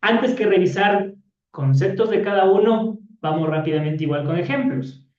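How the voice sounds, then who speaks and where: Speaking at a moderate pace, a man with a high, darkish voice and lively intonation gives an explanatory classroom lecture, repeatedly adding "¿sí?" and "¿ya?". The echoey room and a far-off, dull mic shape the sound.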